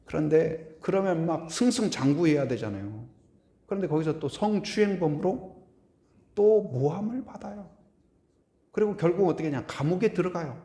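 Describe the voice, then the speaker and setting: A man's voice: on the high side, lively intonation, normal speed, dark tone. A middle-aged man preaching a Sunday sermon as a pastor, building up repeated declarations and acting out little dialogues. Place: church sanctuary. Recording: echoey church room.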